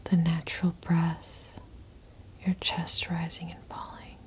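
A woman whispering in a slow, hushed, intimate way, performing a guided ASMR hypnosis roleplay. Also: fairly low pitch, completely flat delivery. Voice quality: breathy whisper. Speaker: audio performer.

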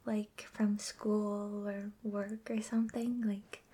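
A young woman whispering softly and giggling often into a close mic, doing an ASMR roleplay. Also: medium pitch, little pitch movement, slow pace, slightly rough. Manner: soft whispering with frequent giggles.

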